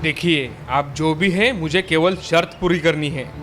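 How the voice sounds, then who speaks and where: A woman's voice: low voice, a little slow, faint music behind, voice pushed down. Young village man, 22, unafraid and firm, speaks evenly — a woman narrator doing him. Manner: calm, firm, respectful. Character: fearless young man of twenty-two, calm and firm.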